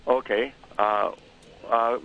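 A man with a Cantonese accent in his Mandarin, a native Cantonese speaker, giving explanatory interview answers in a halting way with many pauses and repeated words. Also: medium pitch, steady tone, narrow, tinny audio, heavy background noise. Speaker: interview guest, academic.

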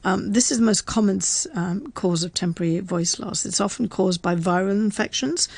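A woman's voice: medium pitch, normal speed, darkish tone, slightly rough, no room sound. A woman in casual chat, explaining facts as a radio presenter and laughing often. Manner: chatty, reads facts aloud, laughs often.

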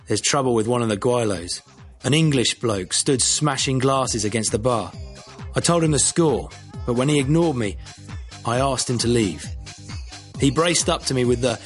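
A man reading a first-person memoir audiobook in a measured, wry storytelling manner. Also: mid-range voice, breathy edge. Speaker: audiobook narrator.

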